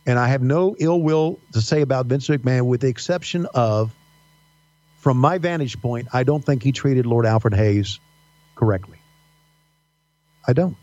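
A middle-aged man with a faint Southern American accent, telling stories as a podcast guest, halting with many fillers and restarts. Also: mid-range voice, darkish tone, dry recording. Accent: slight Southern American. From Virginia mountains. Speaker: podcast guest, wrestling announcer. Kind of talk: casual interview storytelling. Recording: dull dry podcast audio.

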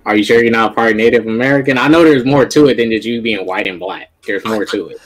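A man's voice: on the low side, fast, a crowd in the background, poor audio. A man chatting casually on a podcast, teasing the others in a laid-back way. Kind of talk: casual chat.

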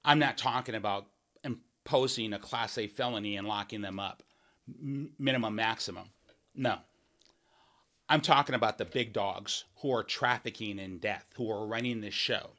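On his own podcast, a man from Washington State who is running for office talks through what he'd do on policy. He speaks at a normal pace in a lowish, bright, forceful voice, earnest and emphatic, often restarting a phrase or adding "right?"

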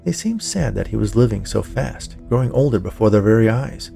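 A man narrating scripted fiction for a podcast in a measured storytelling way. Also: lowish voice, lively intonation, vocal fry, dark tone, faint music behind. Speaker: podcast narrator, writer and producer.

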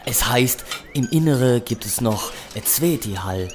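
A man's voice: medium pitch, lively intonation, slow pace, darkish tone, slight background noise. A man playing a greedy, roguish medieval trader in a historical audio drama, talking colloquially with sly eagerness. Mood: curious, eager. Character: greedy, roguish male traveling trader of twelfth-century legend.

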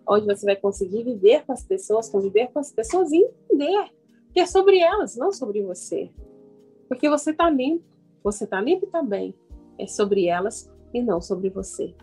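Brazilian lady on radio doing self-help talk, bit creaky, tells you what to do over and over, music behind. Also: a little high, darkish tone. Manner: emphatic, repetitive, instructing listeners directly. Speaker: radio program host. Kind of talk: motivational self-help talk with guided declarations.

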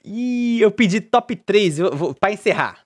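A man from Brazil hosting a casual chat, telling stories in a profane, animated way. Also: sits high, unhurried, no echo, clean studio sound.

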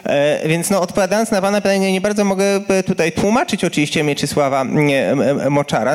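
A young adult man, a historian, explaining an answer at a public discussion, searching for words as he goes. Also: fairly high pitch. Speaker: historian on a panel.

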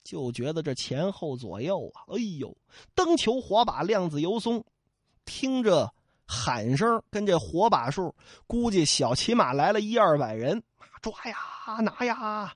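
A male storyteller telling a classic tale in a lively, colloquial way. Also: on the high side, measured pace, no room sound, studio quality. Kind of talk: traditional oral storytelling.

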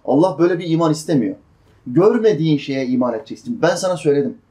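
A man with a slightly high, mellow voice and lively intonation preaches a sermon explaining Quran verses. He chants each verse slowly, follows with a plain explanation, and asks his audience questions that he answers himself.

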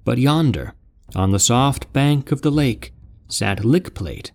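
A man narrating an epic tale in a grave, measured storytelling manner. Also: mid-range voice, animated, creaky, darkish tone, soft background music.

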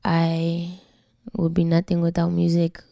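A woman's voice: fairly low pitch, completely flat delivery, unhurried, vocal fry, mellow, no room sound, clean studio sound. A young woman from Canada whose first language is Spanish, talking candidly as an interview guest, slangy and swearing freely. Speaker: guest singer. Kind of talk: casual interview talk.

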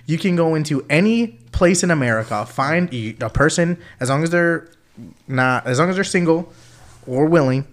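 A man co-hosting a podcast, talking in crude casual banter, loud, teasing and laughing often. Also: on the high side, lively intonation, moderate pace. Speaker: podcast co-host.

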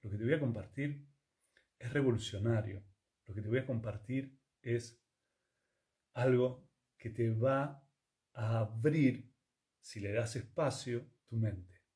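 A man gives a reflective spiritual talk as a yoga and communication teacher. His voice is mellow and warm, at an ordinary pitch. He speaks calmly and keeps turning to rhetorical questions. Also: slow pace, pauses often. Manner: calm, searching, asks rhetorical questions.

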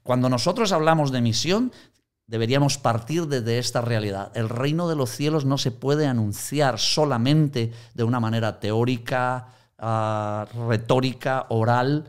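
This man's mid-range voice is clear and resonant, and he takes his time. Teaching conversationally on Christian mission, he tells anecdotes and animatedly performs the voices he quotes.

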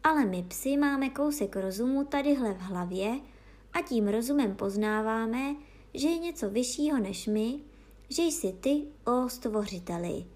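Woman reading as a reverent old male dog, slow and solemn, a bit high, storybook. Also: animated, darkish tone, lightly acted. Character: old wise male dog, humble and pleading.

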